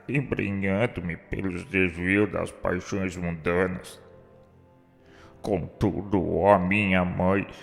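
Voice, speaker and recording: An actor playing a remorseful, educated suicide's spirit in a radio drama, speaking solemn, formal, declamatory lines. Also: male voice, low-pitched, creaky, full character voice. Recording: long hall reverb, music underneath.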